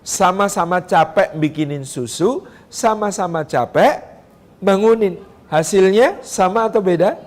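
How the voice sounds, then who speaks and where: High-voiced, animated male preacher. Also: measured pace. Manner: animated, addresses mothers directly, acts out quotes. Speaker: Islamic preacher. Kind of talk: parenting sermon to a congregation.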